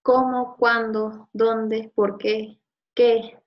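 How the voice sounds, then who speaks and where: Woman teacher, kinda high voice, patient, repeats stuff slow, muffled lo-fi sound. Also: flat delivery. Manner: patient, quizzing and repeating words slowly. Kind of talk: one-on-one review lesson. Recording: slightly muffled lo-fi audio.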